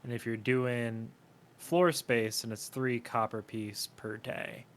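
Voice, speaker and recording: A man's voice: medium pitch, flat delivery, takes it slowly. A man playing in a tabletop game, reading prices out in a matter-of-fact way. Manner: matter-of-fact, reads rules out. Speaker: player. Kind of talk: casual game table chat.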